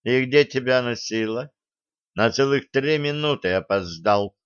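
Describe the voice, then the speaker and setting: A man's voice: mid-range voice, expressive, measured pace, smooth, dry recording, muffled recording, natural voice. A man doing a stern karate sensei. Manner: curt, stern.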